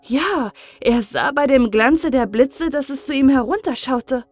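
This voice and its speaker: A woman narrating a fairy-tale audiobook in a calm, measured bedtime reading. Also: sits high. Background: soft background music.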